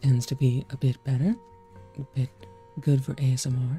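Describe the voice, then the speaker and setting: A man's breathy, put-on character voice at a medium pitch and moderate pace, with music in the background. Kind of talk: ASMR, soft.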